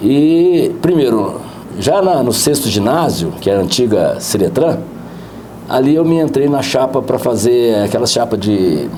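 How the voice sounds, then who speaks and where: Noticeable background noise and audible room echo surround a man speaking at a fairly slow pace with lively intonation. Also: very even loudness. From Brazil, Franca, São Paulo state. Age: 60s. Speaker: former city councillor, businessman. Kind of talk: TV interview.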